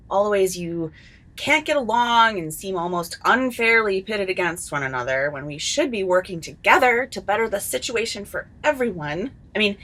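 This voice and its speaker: A woman's voice: mid-range voice, a bit bright. A woman playing a sly wasteland character who reveals a plot in a comedy sketch. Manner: conspiratorial, sly, dramatic.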